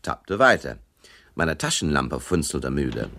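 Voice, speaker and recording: An actor playing a wisecracking hard-boiled investigator, wry, slangy and offhand, in a radio crime drama. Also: male voice, extremely low pitch, very animated, slow, gravelly, sharp tone, slight background noise, exaggerated voice. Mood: wry narrating.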